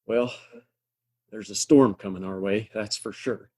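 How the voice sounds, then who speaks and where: An actor playing a weary, resolute saloon keeper in a Western audio drama, plainspoken, gruff and emphatic. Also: male voice, fairly low pitch, a little slow, mellow. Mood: firm, warning.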